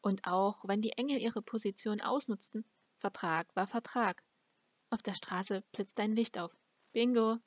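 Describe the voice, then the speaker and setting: A woman with a mid-range voice reads a fantasy novel aloud as an amateur audiobook narrator. The recording is close, dull and lo-fi, with no room sound.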